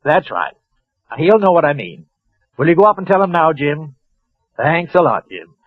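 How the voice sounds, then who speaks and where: An actor playing a nervous clerk on a phone call, hesitant and falsely friendly. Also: male voice, on the high side, big pitch swings, moderate pace, no echo, pitched above the performer's own voice. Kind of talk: 1940s radio acting. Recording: tinny old phone-line radio recording.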